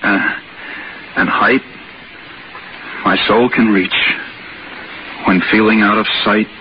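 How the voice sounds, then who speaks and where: Earnest husband in old radio thriller. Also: male voice, fairly low pitch, steady tone, takes it slowly, noisy background. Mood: halting, tender. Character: devoted, desperate husband pleading to be believed. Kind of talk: 1940s radio drama acting. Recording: muffled 1940s radio recording, music behind.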